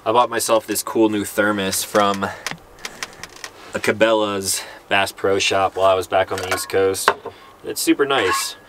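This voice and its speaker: A man's voice: on the low side, steady tone, unhurried, a bit bright, slight background noise. A man in his thirties chatting casually to camera as a vlogger inside a small truck camper.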